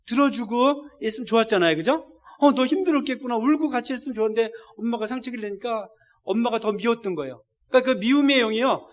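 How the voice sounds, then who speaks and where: A middle-aged male missionary preacher with an unusually high-pitched voice for a man. He preaches at a church service, telling a story with feeling and calling out to the congregation as he goes. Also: a bit bright. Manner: emotional storytelling, directly addressing the congregation. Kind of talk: sermon.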